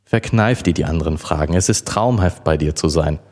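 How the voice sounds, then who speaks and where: A man's voice: very deep voice, a little fast, darkish tone, pitched below the performer's own voice. A man voicing a playful, affectionate young woman in a read-aloud novel. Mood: tender. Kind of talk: audiobook reading.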